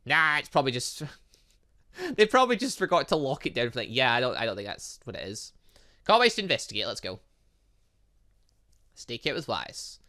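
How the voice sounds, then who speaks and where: Animated, bright-voiced man doing game commentary. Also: medium pitch, normal speed, long pauses. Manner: rambling, thinking out loud. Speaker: gaming channel host. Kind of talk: gaming let's play commentary, reading visual novel text aloud with asides.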